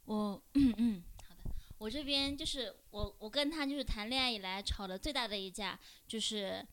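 A woman's voice: fairly high pitch, normal speed, fairly bright tone. Matter-of-fact woman telling a story. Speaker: guest. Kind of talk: casual storytelling.

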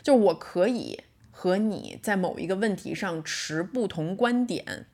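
A woman in her thirties hosting a casual solo podcast. She tells a story in a reflective way and slows down to stress her points. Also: medium pitch, lively intonation, darkish tone. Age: 30s. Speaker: podcast host.

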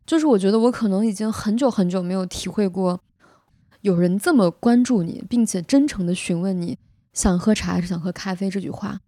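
A young woman hosts a podcast and tells a personal story in an earnest, heartfelt way. Her voice has a mellow, soft tone at a middle pitch. It sounds close and dry, with almost no room echo. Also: brisk. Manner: earnest, emotional retelling with vivid detail. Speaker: podcast host. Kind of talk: casual storytelling chat.

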